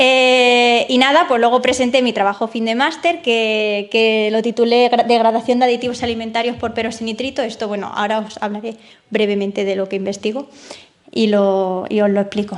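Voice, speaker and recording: A woman with a fairly high pitch talks at a moderate pace with fairly even intonation. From Spain, Castilla-La Mancha (Ciudad Real). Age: 20s. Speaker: chemistry PhD student and science communicator. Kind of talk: public talk. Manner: hesitant, many fillers.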